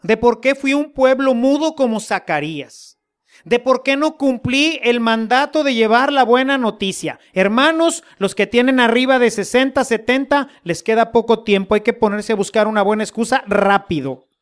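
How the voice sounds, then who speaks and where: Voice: medium pitch, normal speed. A Catholic preacher with a Mexican accent giving a sermon in a folksy, humorous way, full of rhetorical questions to the congregation.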